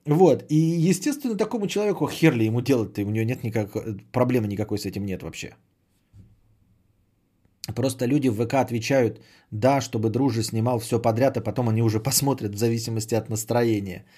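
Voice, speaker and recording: A man's voice: medium pitch, a little fast, mellow. A man hosting a podcast, chatting casually and sardonically as he answers audience messages, often swearing and repeating phrases. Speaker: podcast host.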